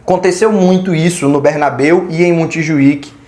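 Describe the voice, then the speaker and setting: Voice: mid-range voice, fairly even intonation, normal speed, darkish tone, echoey room. A football channel host with a Brazilian Portuguese accent, giving casual, slangy and opinionated pre-match analysis.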